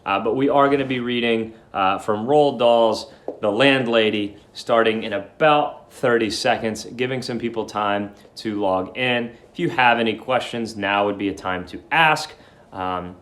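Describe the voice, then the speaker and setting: A man's voice: lowish voice, measured pace, a bit bright. A man working as a teacher, giving a live read-aloud lesson with story narration. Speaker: teacher reading aloud to students. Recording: roomy echo.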